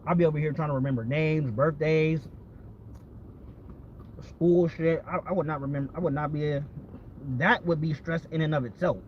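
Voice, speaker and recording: A man's voice: on the high side, steady tone, moderate pace, pauses often. An American man chatting casually and candidly, rambling with frequent swearing and repeating himself as he goes. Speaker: vlogger. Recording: dull lo-fi audio with background vehicle noise.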